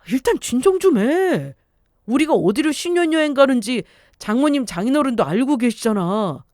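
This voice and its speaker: A woman's voice: on the high side, a little mellow, no echo, clean studio sound, voice pushed up. A woman voicing a defensive young husband. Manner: pleading, defensive. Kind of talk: story radio dialogue.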